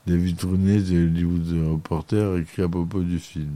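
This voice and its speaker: A man's voice: deep voice, steady tone, moderate pace, mellow, no echo. A man hosting a podcast, reading a film chronicle aloud with frequent stumbles and self-corrections. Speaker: podcast host.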